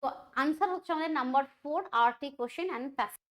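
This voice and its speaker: A woman's voice: sits high, brisk. A woman teaching an online quiz lesson, chatty and thinking aloud, often asking the students questions. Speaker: exam prep teacher.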